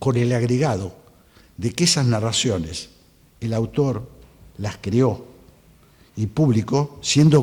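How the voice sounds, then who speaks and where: A man speaks in a dark, mellow tone, somewhat breathy. His intonation is lively. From Argentina. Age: 70s. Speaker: conference speaker, former political activist. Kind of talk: prepared talk read aloud. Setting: conference hall.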